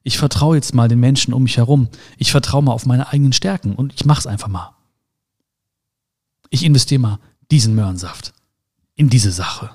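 Speaking at a moderate pace in a mid-range, slightly mellow voice, a man delivers an emphatic motivational talk, returning again and again to his central phrases.

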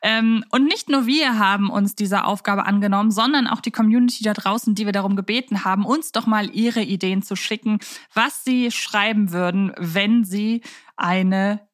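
A woman's voice: mid-range voice, normal speed, dry recording, studio quality. A woman co-hosting a podcast in a chatty, wordy way, repeating words for emphasis. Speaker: podcast co-host. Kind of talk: chatty fan podcast moderation.

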